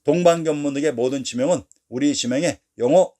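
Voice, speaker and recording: A man narrating a scripted history series in a measured way, slowing down to read out lists of place names. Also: a little high, mellow. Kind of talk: scripted reading of historical commentary.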